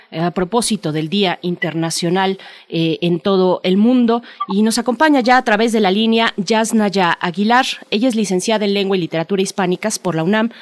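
A woman's voice: mid-range voice, dry recording. A woman from Mexico hosting a morning radio talk show, asking questions with many fillers and restarts. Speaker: radio host.

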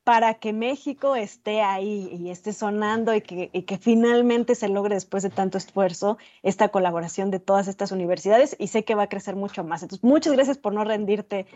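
A woman hosting a radio interview, passing on listener questions and thanking her guest in a warm, conversational way. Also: medium pitch, fairly quick, hardly any pauses, highs cut off. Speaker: radio host.

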